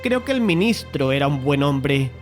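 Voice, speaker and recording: An actor playing a skeptical, paternal painter who tells his own story in measured audiobook narration and dialogue. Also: fairly high pitch, very animated, soft background music. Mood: narrating. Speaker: narrator and main character.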